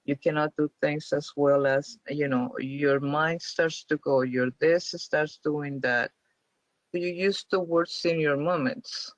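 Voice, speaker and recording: A man's voice: on the high side, steady tone, slow, dry recording. A man leading a spiritual question-and-answer class, explaining emphatically and repeating his points. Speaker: spiritual teacher. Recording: dull lo-fi dry sound.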